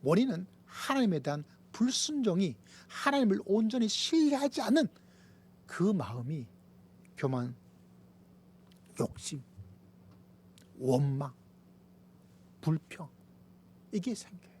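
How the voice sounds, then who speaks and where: A man preaches as pastor in a church sanctuary, his voice sitting a little high for a man. He drives his points home with repeated lists. He sinks into near-whispers before rising again. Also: big pitch swings, takes it slowly, pauses often, husky. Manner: emphatic preaching, swinging from raised lines to hushed whispers. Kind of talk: sermon.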